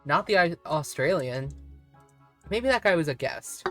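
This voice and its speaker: A woman's voice: low voice, lively intonation, unhurried, fairly bright tone. A woman streamer chatting casually while playing a game, rambling and laughing often. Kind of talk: casual chat while gaming. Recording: faint music behind.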